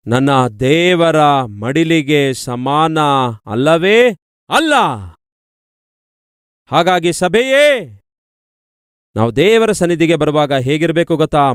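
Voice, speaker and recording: A man's voice: on the high side, clear, resonant tone, no room sound, clean studio sound. A man preaching a devotional sermon, emphatic and repetitive, often addressing his listeners directly. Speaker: pastor.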